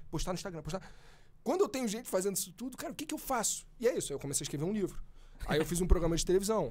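Lively intonation marks a man's high-pitched voice as he talks at a very fast pace. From Brazil, Rio de Janeiro. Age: 30s. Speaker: entrepreneur. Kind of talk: casual chat.

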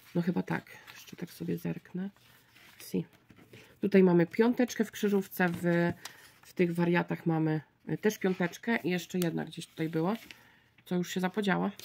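A woman at a moderate pace, fairly even in intonation, with long, frequent pauses, big swings in loudness, and light background noise. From Poland. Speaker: YouTuber scratching lottery tickets; lottery ticket vlogger. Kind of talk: casual vlog chat. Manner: chatty, lots of fillers. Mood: calm, mildly disappointed. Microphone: phone near.

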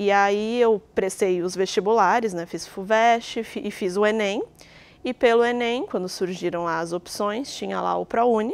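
Fairly slow delivery from a woman at a medium pitch, ordinary in its pitch variation. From São Paulo, Brazil. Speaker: journalist. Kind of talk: interview. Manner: halting, many fillers. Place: studio. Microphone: lapel.

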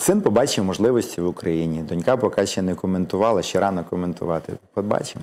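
A man with a very deep, low pitch and a dark, mellow tone speaks at a very fast pace with hardly any pauses. His pitch varies in an ordinary way. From Ukraine, Vinnytsia region; Ukraine. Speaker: business owner; guest. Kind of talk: interview. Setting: studio. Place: studio. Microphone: lapel.

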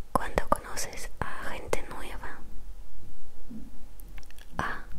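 A soft-spoken woman whispers at a very slow pace. Loud background noise fills the recording. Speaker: ASMR creator. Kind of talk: soft spoken quiz reading. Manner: soft close-mic ASMR whisper. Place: home room. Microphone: handheld.

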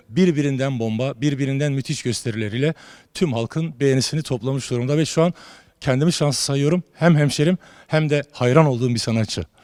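A man's plain, everyday voice, with ordinary pitch variation, comes across dry and close with no echo. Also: very clean recording, silent background. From Turkey, Şanlıurfa. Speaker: interviewer. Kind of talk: interview. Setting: backstage after a show.

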